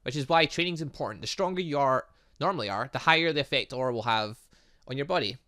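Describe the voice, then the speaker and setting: A man's voice: mid-range voice, expressive, quick pace, sharp tone, no room sound, studio quality. A man voicing an upbeat, easygoing young male personal trainer in a video game, instructive and encouraging. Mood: explaining.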